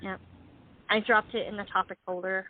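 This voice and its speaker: A woman calling in to a show over the phone, laughing often and reading her poem aloud slowly. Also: medium pitch, level tone, a little hiss or hum. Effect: heard over a phone line. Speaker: caller. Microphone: phone held to the ear. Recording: tinny dry phone line.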